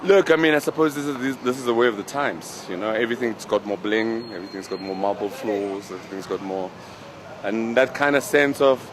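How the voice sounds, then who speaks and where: A man's voice: on the low side, a little fast, background noise. A man chatting casually and reminiscing.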